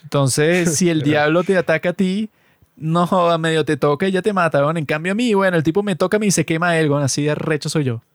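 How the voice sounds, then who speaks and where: A Latin American man chatting on a podcast. His voice sits a little high and sounds dry and close to the mic. He jokes and brags with mock seriousness, slipping into slang as he tells stories. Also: fast, few pauses, no room sound. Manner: joking mock-boastful, slangy storytelling. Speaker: podcast co-host. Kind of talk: casual podcast chat.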